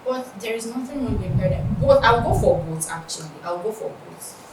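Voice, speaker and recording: A woman's voice: a little high, animated, brisk. A Nigerian woman guest in a casual interview who laughs often and repeats herself. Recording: echoey room, distant mic, noisy.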